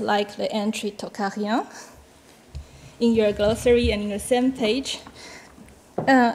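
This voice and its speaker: A woman whose first language is Chinese speaks English at medium pitch as a discussant at an academic seminar. She sounds hesitant, with frequent fillers and short laughs.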